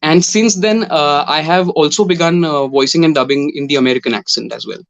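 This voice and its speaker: A young Indian man with a fairly high voice answers in an interview, taking his time. He is thoughtful and measured, pausing often and restarting his phrases as he talks about his work. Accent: Indian English. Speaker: voice and dubbing artist, French interpreter.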